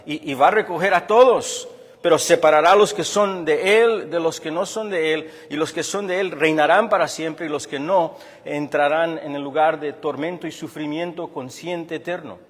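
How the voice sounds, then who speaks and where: A man from Chicago preaches with a slightly raised pitch, working through his points earnestly and stopping to restart his phrases. His voice carries a long reverb from the church hall around him. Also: moderate pace. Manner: earnest and explanatory, with frequent restarts and fillers. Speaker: pastor. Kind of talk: sermon.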